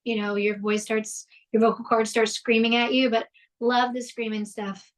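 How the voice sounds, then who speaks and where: Woman, Houston accent, high voice, chatty interview guest who rambles. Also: flat delivery, moderate pace. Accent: Houston, Texas. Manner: chatty, rambling with fillers and restarts. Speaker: voice actress, podcast guest. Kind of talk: casual interview chat.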